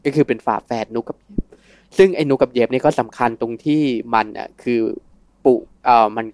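A man's voice: mid-range voice, steady tone, a little fast, darkish tone, no room sound. A man co-hosting a podcast, explaining lore at length in casual chat and laughing between points.

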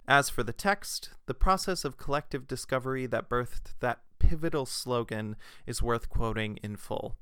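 A man giving a scripted essay narration in a measured way, reading quotations aloud. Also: medium pitch, a bit bright, clear, resonant tone, dry recording, studio quality. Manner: measured, reads quotations aloud with "quote" and "end quote".

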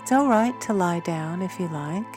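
A woman leading a guided body scan meditation in a gentle, soothing manner. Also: fairly low pitch, animated, normal speed, over music.

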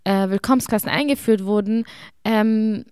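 A young woman who grew up speaking Arabic talks earnestly and with emphasis in a casual conversation. She often pauses to search for the right word. The recording is close and dry. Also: mid-range voice, a little mellow, clean tone, dry recording.

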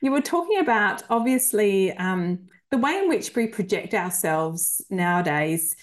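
A woman's voice: medium pitch, big pitch swings, a little slow. Chatty woman hosting. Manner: enthusiastic, chatty, laughs often. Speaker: podcast host and coach. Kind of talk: podcast interview.

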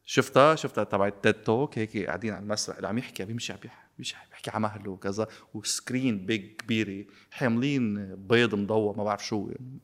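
A man with a Lebanese Arabic accent, talking politics in a casual, sarcastic, animated way and slipping into English phrases. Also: fairly low pitch, rapid-fire, few pauses. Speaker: guest commentator.

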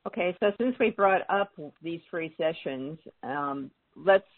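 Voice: medium pitch, lively intonation, measured pace. An interview host asking encouraging questions and prompting the guest to explain more. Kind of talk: interview conversation. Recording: dry tinny phone-like line.

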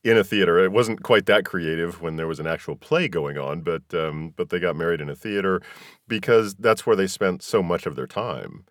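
Male podcast host, deep pitch, dry studio-like sound, encouraging conversational interviewer. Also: normal speed, dry recording. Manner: encouraging, affirming responses.

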